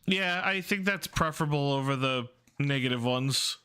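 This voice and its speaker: A man's voice: medium pitch, normal speed, bright, forceful tone, smooth. A man streaming his game development, chatting casually and hesitantly with lots of "like" and "uh". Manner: hesitant, filler-heavy, self-deprecating laughs. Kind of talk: casual live-stream chat.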